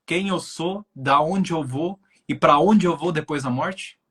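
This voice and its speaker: A man's voice: on the high side, measured pace, a bit bright, husky. A man in his twenties giving an explanatory talk on a live stream over a video call, often checking in with his listeners. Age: 20s. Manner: explanatory, thinks aloud with many filler tags. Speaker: guest speaker on spirituality.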